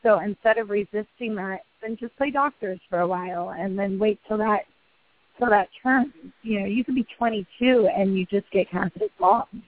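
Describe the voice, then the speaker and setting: A woman in her thirties with a husky voice, an actress guest talking casually in a rambling, chatty way with many restarts. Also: mid-range voice, normal speed. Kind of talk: phone interview. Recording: tinny phone line.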